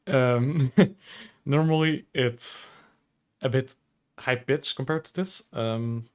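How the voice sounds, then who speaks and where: A young man who speaks English with a Portuguese accent, chatting casually on his stream. He keeps his voice deliberately low and calm over a dry throat, and he chuckles often between phrases. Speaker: livestreamer. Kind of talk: casual stream chat reading viewer comments.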